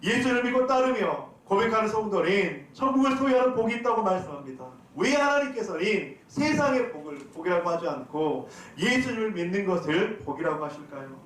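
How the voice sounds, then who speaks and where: A man with a high voice preaches in a church sanctuary and keeps putting questions to the congregation. The mic sits well back from him, so his words ring around the hall. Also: expressive, fairly quick, hardly any pauses, a bit bright. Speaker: pastor. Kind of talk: sermon. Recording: very echoey hall, from a distance.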